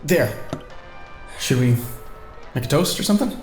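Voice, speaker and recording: An actor playing a wry, awkward man who narrates his own story in an audio drama with self-deprecating, deadpan, wordy humor. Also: mid-range voice, moderate pace, faint music behind, natural voice. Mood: casual, awkward. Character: wry, awkward smoker man narrating a reunion with old friend. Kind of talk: first-person scripted narration and dialogue in audio drama.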